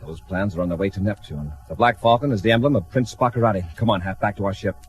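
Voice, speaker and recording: A man's voice: lowish voice, quick pace, natural voice. A man playing a resolute, heroic space patrol captain in a radio serial, clipped and authoritative. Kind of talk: classic space-adventure radio serial acting. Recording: old radio recording with faint music.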